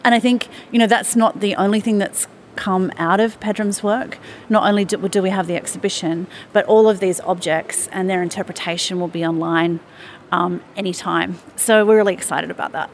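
A woman, a museum chief executive answering radio interview questions in a measured, enthusiastic way with small fillers. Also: medium pitch, steady tone, a little hiss or hum.

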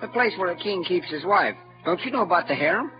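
A man's voice: sits high, animated, fast. An actor playing Huck, a clever boastful frontier boy with a rural Southern dialect, in an old-time radio drama. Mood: lecturing. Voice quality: bright, showy, know-it-all delivery. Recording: dull lo-fi old radio recording with music.

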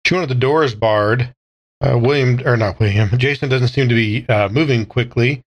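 A man's voice: mid-range voice, normal speed, dull audio. A man taking part in a tabletop roleplaying game, casually narrating what his character does. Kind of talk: casual improvised game talk.

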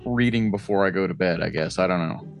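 A man's voice: low-pitched, fast talker, gravelly, soft background music. A man co-hosting a podcast, chatting casually with a wry, joking manner. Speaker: podcast co-host. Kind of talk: casual banter.

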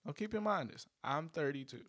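A man in his thirties co-hosting a casual chat, measured and reasoning, weighing both sides. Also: on the high side, animated, fairly bright tone, no room sound. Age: 30s. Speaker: podcast co-host.

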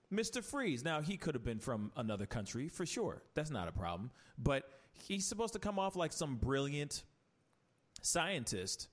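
With a fairly bright voice on the high side, this podcast host leads a casual chat. His delivery is an animated rant packed with rhetorical questions and frequent restarts.

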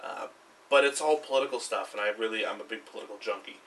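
A bright-voiced man talks quickly on a podcast, with hesitant fillers. His voice comes from a low-quality backup mic set some distance away, and a faint hiss runs beneath it. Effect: low-quality backup mic recording. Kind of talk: casual podcast chat.

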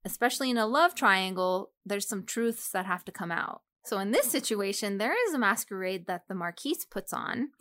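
A woman co-hosting a casual book discussion, giving analytical, animated opinions. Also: medium pitch, normal speed, few pauses, no echo. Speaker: podcast co-host.

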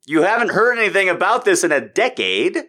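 A man rants through a comedy bit, his pitch swinging widely as he builds and drops. He swears freely and keeps a sarcastic, animated edge. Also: a little fast. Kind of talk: comedic rant.

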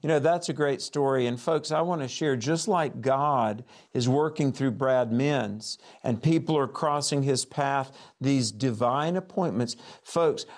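A man hosting a Christian call-in show, speaking in a warm, preacherly way as he encourages listeners. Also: mid-range voice. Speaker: radio show host.

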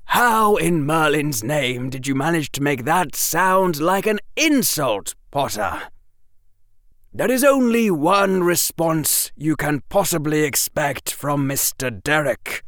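A man voicing a stern, mocking male defense professor, speaking slowly and coldly. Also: on the high side, very animated, fairly bright tone, no echo, studio quality, voice pushed up, heavily acted. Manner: slow, cold and taunting.

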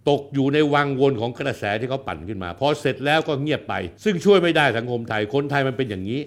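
A man's voice: medium pitch, animated, fast talker. An older man in his sixties, a political commentator addressing a rival directly, blunt, coarse and accusatory. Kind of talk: confrontational on-camera address.

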